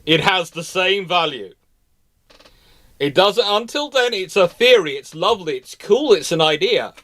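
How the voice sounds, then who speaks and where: Man, slightly high pitch, emphatic, repetitive phrasing, casual live commentary, host. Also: expressive, measured pace, fairly bright tone. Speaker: host of a naval history question show.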